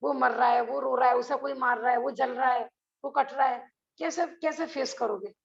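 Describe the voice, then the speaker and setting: A high-pitched woman with a gravelly texture leads an online scripture lesson. She speaks earnestly and keeps asking her class rhetorical questions. The sound is dull and lo-fi, as on a video call. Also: fairly even intonation, moderate pace. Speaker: religious teacher.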